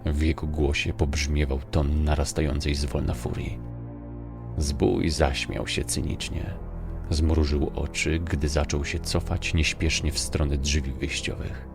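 Male audiobook narrator: extremely low, gravelly, even delivery of dark scripted fiction, clear music underneath. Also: unhurried. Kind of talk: scripted dramatic story narration.

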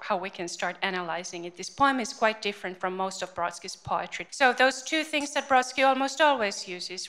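A woman in her forties with a Finnish accent, giving a lecture into a handheld mic in a small room, pausing often with fillers and restarts. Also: mid-range voice, fairly bright tone, smooth. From Finland. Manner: hesitant, many fillers and restarts. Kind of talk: informal university-style lecture. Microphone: handheld microphone.

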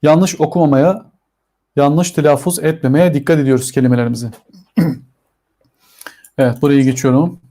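An English teacher running a vocabulary drill for schoolchildren, saying each English word twice with a lift in pitch and volume, then giving its meaning. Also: steady tone, moderate pace, pauses often, warm tone.

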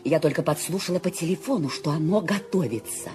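A fretful invalid lady whose voice leaps up and down as her nerves fray, shrill and commanding. Soft music sits under this old radio drama recording. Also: animated, fairly quick. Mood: anxious. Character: nervous bedridden wealthy woman, irritable and demanding. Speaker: Mrs. Stevenson. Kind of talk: Soviet-era radio play acting.

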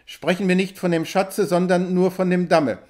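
A man voicing a proud tribal chief in an audiobook, speaking in loud, urgent exclamations. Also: sits high, fairly even intonation, normal speed, natural voice.

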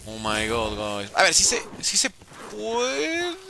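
A young man chatting jokily with his stream chat while playing, with sudden animated outbursts. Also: sits high, takes it slowly, gravelly, background noise. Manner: jokey, reads and answers chat, animated outbursts. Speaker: gaming streamer.

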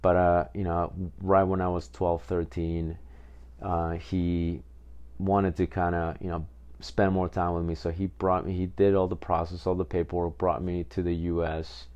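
A man's voice: low voice, flat delivery, moderate pace, darkish tone, smooth, dull audio. A man in his twenties from Peru, hosting a podcast and telling his own story in a casual, rambling way with many fillers. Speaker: podcast host.

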